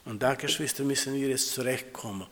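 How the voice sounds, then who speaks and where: A man preaching a sermon to his congregation, calling them siblings and quoting scripture, with halting, non-native phrasing and restarts. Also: medium pitch, a bit bright. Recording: long hall reverb.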